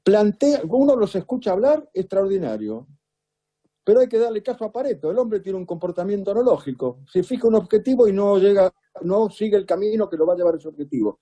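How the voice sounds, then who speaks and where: Argentine man, husky dark voice, very lively. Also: high voice, fairly quick. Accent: Rioplatense Spanish. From Buenos Aires, Argentina. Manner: emphatic, rhetorical, repeats "¿es cierto?". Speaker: political interview guest. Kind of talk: opinionated political commentary.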